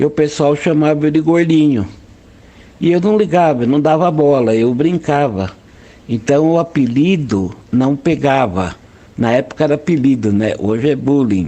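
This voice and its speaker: Speaking at a moderate pace, a man has a fairly high pitch and a dark, mellow tone. His intonation is lively and his loudness very even. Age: 60s. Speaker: radio listener. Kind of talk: recorded voice message.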